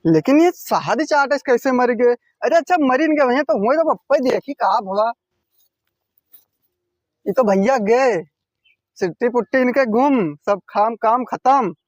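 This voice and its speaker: A man playing a village son in a rustic comedy sketch, talking loud and pleading. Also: very high-pitched, animated, unhurried, no room sound. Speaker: young son of the old buyer.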